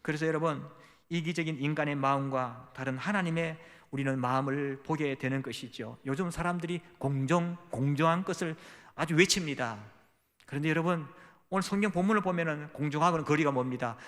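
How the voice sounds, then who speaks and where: A middle-aged pastor delivers a sermon, his voice sitting a little high for a man. He shifts into the voices of the people in his story as he acts out their prayers and their talk. The church sanctuary adds a long, lingering reverb. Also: a little fast, a bit bright. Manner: dramatic, acts out quoted prayers and dialogue.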